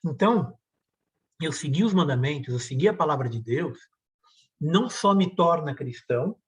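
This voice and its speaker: A man leads a Bible lesson in a relaxed, conversational way. His voice sits slightly above the usual pitch for a man. He keeps checking in with "né?" and repeats key phrases to drive them home. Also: moderate pace. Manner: conversational, ends points with "né?". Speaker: Bible teacher. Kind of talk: teaching a Bible lesson, reading scripture aloud.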